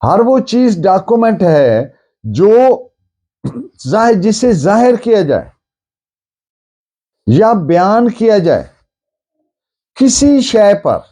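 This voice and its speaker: A man with a Pakistani accent giving an explanatory law lecture, deliberately repeating and rephrasing key points. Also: high voice, sing-song, warm tone.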